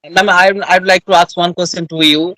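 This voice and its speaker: A man's voice: high-pitched, flat delivery, brisk, pushed and bright, no room sound. A man from India with an Indian accent interviewing on an online call, polite and agreeable, often saying yes and ma'am. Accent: Indian English. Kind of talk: casual conversation practice.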